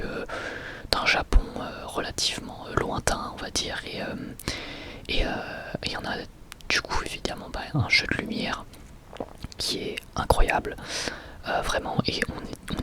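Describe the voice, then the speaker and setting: A man whispering a casual ASMR chat in a hesitant, halting manner, often correcting himself. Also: a little high. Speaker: ASMR video creator.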